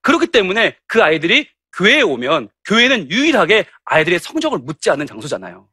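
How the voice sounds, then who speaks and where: A middle-aged male pastor giving a lively, humorous lecture to church teachers, acting out stories. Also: high-pitched, fast, slightly rough, no room sound, studio quality. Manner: animated and humorous, acting out anecdotes.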